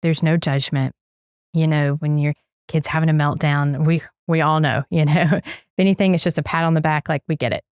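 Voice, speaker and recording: Woman interviewee, low voice, dry close sound, earnest testimonial. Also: steady tone, moderate pace, darkish tone, smooth, no room sound. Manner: earnest, repeats words while searching for them. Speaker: guest, parent of a toddler.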